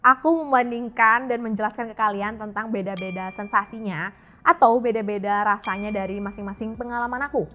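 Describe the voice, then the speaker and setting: A woman's voice: medium pitch, fairly even intonation, a little fast, a bit bright. Young lady doing a candid chatty vlog, bits of english mixed in, music in the back. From Indonesia, mixed European and Indonesian family. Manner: frank, chatty, code-mixing English phrases. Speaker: YouTube health and fitness vlogger. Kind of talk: candid casual vlog talk to viewers.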